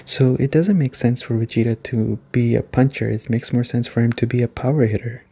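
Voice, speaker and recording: Male ASMR gaming reviewer: soft-spoken, warm and relaxed tone, informal rambling explanations. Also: medium pitch, a little fast, gravelly, husky. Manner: rambling, explanatory, often checking in with "right?".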